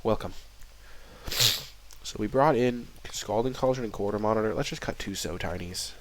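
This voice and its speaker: A young man with a stuffy, congested voice from a cold, casually commenting on his own game as he plays, thinking aloud in a relaxed, mildly wry way. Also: lowish voice, moderate pace, very noisy. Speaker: gaming video host. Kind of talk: casual live commentary while playing.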